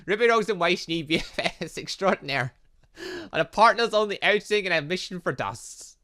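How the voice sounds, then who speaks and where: A man voicing an excitable, childlike teenage girl from a visual novel, gushing and whining in exclamations. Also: high-pitched, moderate pace. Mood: gushing excitement.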